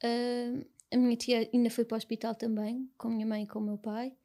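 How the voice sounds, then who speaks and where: A young woman with a European Portuguese accent, speaking as an interview guest in a soft, halting, reflective way. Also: on the high side, flat delivery. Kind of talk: personal conversation.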